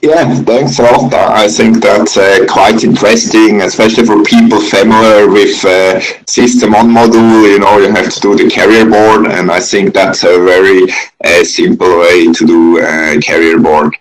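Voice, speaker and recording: A man with a Swiss accent hosts the question round of a webinar. His voice sits on the low side, and he moves along haltingly, pausing often as he puts questions and adds comments. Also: steady tone, low-quality recording. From Switzerland. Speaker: webinar moderator. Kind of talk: webinar question-and-answer hosting.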